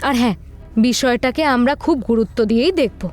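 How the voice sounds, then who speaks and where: A woman playing a composed, authoritative mother-in-law, measured and firm, in an audio drama. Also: a little high, darkish tone, soft background music, close to an everyday voice. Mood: reassuring, firm.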